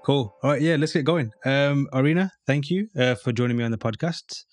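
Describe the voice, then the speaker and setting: A man hosts a podcast, opening with a read introduction before moving into relaxed questions. His voice sits at a middling pitch and he keeps the guest going with short encouraging words. Soft music plays faintly beneath his voice. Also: brisk. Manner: brief encouraging backchannels. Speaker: podcast host. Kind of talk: scripted intro, then casual interviewing.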